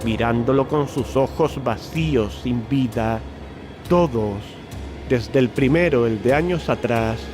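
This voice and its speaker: A man's voice: mid-range voice, slow pace. A man reading scripted, dramatic horror narration as the narrator of an audio drama. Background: loud music.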